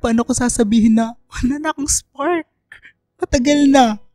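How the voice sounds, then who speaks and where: A woman's voice: sits high, moderate pace, a little mellow, no room sound, faint music behind, natural voice. A woman playing an insecure young gay student in an emotional, hesitant radio drama performance. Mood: anguished, self-pitying. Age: young adult. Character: tipsy, insecure young gay student, self-doubting and giggly.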